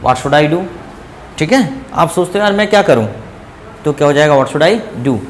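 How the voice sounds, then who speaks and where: A man teaching English grammar in Hindi, saying example sentences slowly and often asking his students if they follow. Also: fairly high pitch, slight background noise, rough recording. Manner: asks students checking questions. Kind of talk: classroom grammar lesson.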